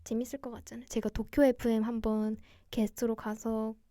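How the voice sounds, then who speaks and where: A young woman hosting a cozy radio-style livestream chat, speaking in a soft, gentle, quiet way. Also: on the high side, little pitch movement, brisk, dry recording, clean studio sound. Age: young adult. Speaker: radio DJ host, idol singer livestreaming.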